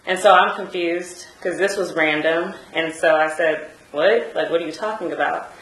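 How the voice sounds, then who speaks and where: A woman's voice: fairly low pitch, normal speed, a bit bright, reverberant, poor audio. A woman giving hesitant courtroom testimony, full of fillers and restarts. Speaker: trial witness.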